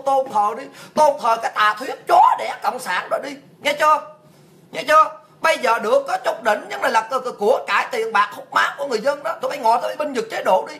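A woman's voice: sits high, a bit bright. A woman from Vietnam hosting a livestream show, delivering an abusive, mocking tirade full of rhetorical questions. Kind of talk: livestream rant.

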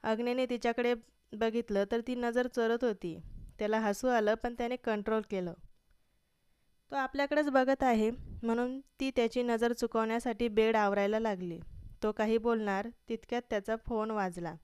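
A woman narrating a scripted story with a steady, expressive reading. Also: fairly high pitch, normal speed, clear, resonant tone, no room sound, clean studio sound.

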